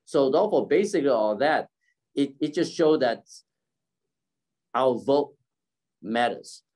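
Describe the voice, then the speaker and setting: A man in his seventies with lively intonation and a mid-range, somewhat mellow voice speaks informally and off the cuff as keynote speaker and community leader on an online forum. His speech is halting with lots of throat-clearing, captured over a video call by a desk-distance device mic in his home near a curtained window.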